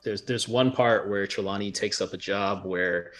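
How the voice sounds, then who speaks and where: A Jamaican American man, an author, talking haltingly with many fillers and laughs, and reading from his book. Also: on the low side, a bit bright. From United States, of Jamaican family.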